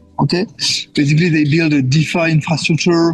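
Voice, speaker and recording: A man with a French accent and a fairly high pitch. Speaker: startup founder. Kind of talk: project pitch presentation.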